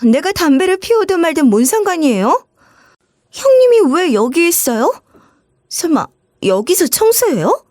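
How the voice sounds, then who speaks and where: A woman's voice: extremely high pitch, sing-song, normal speed, no echo, studio quality, voice pushed up. A woman doing a sneering young sister-in-law. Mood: contemptuous. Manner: mocking, contemptuous.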